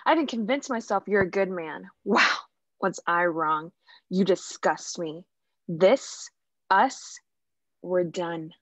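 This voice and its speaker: A woman's voice: on the low side, takes it slowly, a bit bright, poor audio. A woman reading the part of a heartbroken young woman, hurt and accusing, during a screenplay table read.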